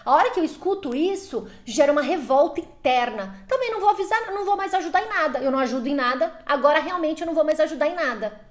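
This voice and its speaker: A woman's voice: sits high, animated, quick pace, hardly any pauses. A woman with a Brazilian Portuguese accent giving parenting advice straight to her viewers, emphatic and full of rhetorical questions. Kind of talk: direct-to-camera advice talk.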